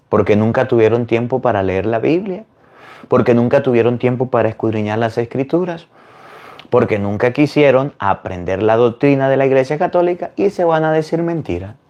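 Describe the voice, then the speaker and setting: A man, a Catholic priest, preaching to viewers in an animated way, firing rhetorical questions. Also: mid-range voice.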